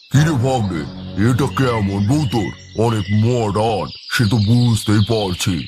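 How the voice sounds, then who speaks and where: A man does a cartoonish character voice at medium pitch and a moderate pace. Clear music plays in the background. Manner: pompous, blustering.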